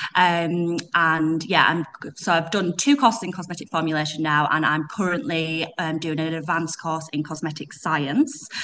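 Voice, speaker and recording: In a Yorkshire accent, a woman with a fairly low pitch and a bright, sharp tone talks at a moderate pace with ordinary pitch variation and hardly any pauses. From West Yorkshire, England. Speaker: brand founder. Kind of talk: casual interview chat. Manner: excited, enthusiastic.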